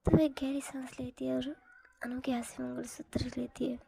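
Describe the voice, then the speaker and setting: A woman retelling a drama story in plain, steady narration that often drops to a soft whisper. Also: high voice, normal speed, creaky, slight background noise.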